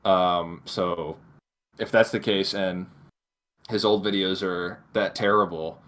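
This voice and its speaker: A man's voice: low-pitched, fairly even intonation, takes it slowly, a bit bright. A man co-hosting a podcast, giving his opinions in casual conversation. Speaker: podcast co-host.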